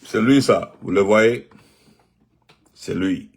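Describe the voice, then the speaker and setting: A man, giving animated live-stream political commentary and greeting viewers, repeating himself and jumping up in pitch when he stresses a point. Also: takes it slowly, vocal fry, slightly rough. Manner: excited, repetitive, pitch jumps up sharply when emphatic.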